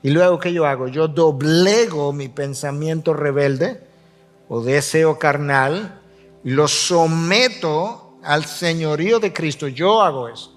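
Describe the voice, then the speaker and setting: A male pastor preaching a sermon with a somewhat high voice. He reads scripture aloud and explains it in a teaching manner, driving points home by repeating phrases. Soft music plays faintly underneath. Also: slow pace.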